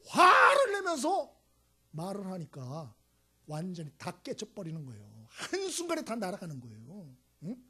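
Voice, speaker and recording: A male pastor delivering a sermon with emphatic preaching, swinging between loud exclamations and hushed asides, and acting out voices in his stories. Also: on the high side, slightly rough. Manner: tells anecdotes acting out voices.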